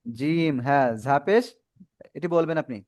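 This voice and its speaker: A man's voice: on the high side, animated, moderate pace, a little mellow. A man teaching a Quran reading class to children over a video call, patiently prompting pupils and praising their answers. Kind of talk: online class instruction.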